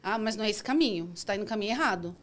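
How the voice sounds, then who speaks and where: A woman's voice: medium pitch, lively intonation, racing, a bit bright, close to an everyday voice. A woman voicing a suspicious, stubborn middle-aged woman passenger who keeps accusing and insisting.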